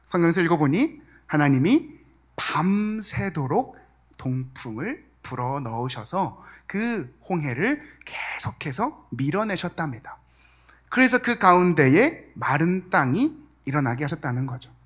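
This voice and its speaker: An evangelist preaching a sermon in a church, lively and acting out the quoted lines in voices. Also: medium pitch, a little slow, breathy edge. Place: church sanctuary.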